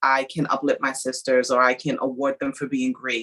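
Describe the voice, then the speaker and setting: Speaking at a moderate pace with a Brooklyn accent, a woman has a bright, sharp tone. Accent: New York (Brooklyn). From Brooklyn, New York. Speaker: nonprofit founder and music studio owner. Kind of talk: interview conversation.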